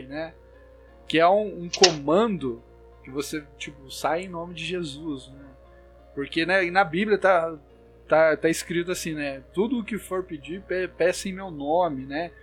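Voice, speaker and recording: A young Brazilian man with a Brazilian Portuguese accent chats casually, telling spooky stories with many restarts and fillers. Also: fairly high pitch. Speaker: storyteller.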